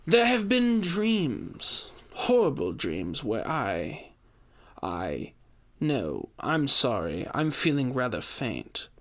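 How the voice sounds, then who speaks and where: A man reading a story, voicing a nervous young man who speaks haltingly. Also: mid-range voice, lively intonation, fairly bright tone. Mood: faltering. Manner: halting, faltering.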